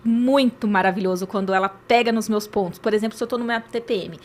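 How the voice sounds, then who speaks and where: A woman, a podcast guest and mother, talking in a lively way about parenting her child. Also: mid-range voice, quick pace. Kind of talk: casual podcast conversation.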